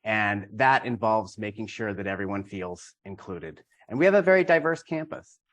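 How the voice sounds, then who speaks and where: Middle-aged male dean type, lowish voice, matter-of-fact delivery. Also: lively intonation, normal speed. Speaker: university administrator presenting. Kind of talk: conference talk.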